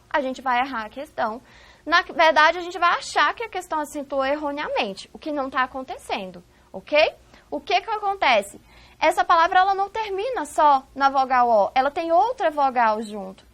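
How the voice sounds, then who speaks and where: A Brazilian woman with a high voice delivers a recorded video lesson. She explains step by step, asks the class questions and then answers them herself. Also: a bit bright. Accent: Brazilian Portuguese. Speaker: teacher.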